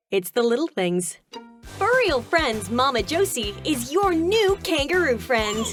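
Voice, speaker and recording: A woman delivers polished advertising copy. Her voice sits a little high and moves with animated intonation, while a clear music bed plays behind her. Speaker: commercial voice-over actor.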